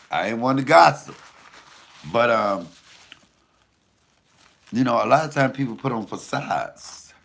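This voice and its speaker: A middle-aged man with a deep voice, a comedian chatting casually and profanely with viewers on a livestream. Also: slow pace, vocal fry, long pauses. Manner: animated, loose and profane storytelling.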